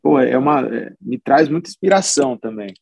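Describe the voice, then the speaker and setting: A musician guest in an interview talks casually in a brisk, mid-range voice that's gravelly and slightly rough. He's relaxed and rambling, full of slang and restarts.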